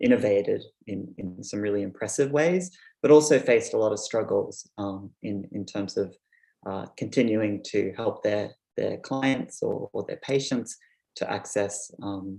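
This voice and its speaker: A man with an Australian accent, fairly slow in pace, with big swings in loudness. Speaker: anthropologist, lecturer. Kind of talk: academic lecture. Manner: halting, many fillers.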